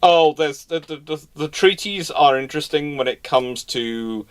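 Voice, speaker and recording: A man hosts a live Q&A, answering audience questions in a casual history talk that is informal and knowledgeable. His voice is a little high, unhurried and smooth, and he often restarts and repeats his phrases.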